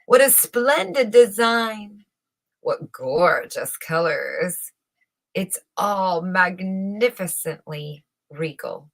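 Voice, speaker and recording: A woman's voice: fairly low pitch, lively intonation, drawn-out words, full character voice. A woman voicing sycophantic courtiers and townsfolk in a storybook, gushing with exaggerated admiration.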